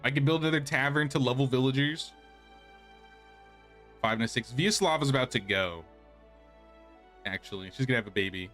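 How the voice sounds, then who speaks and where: A man's voice: mid-range voice, fairly quick, pauses often, a bit bright. A man giving casual, rambling gameplay commentary as a streamer, thinking aloud as he goes. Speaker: game streamer. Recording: game music behind. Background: game music.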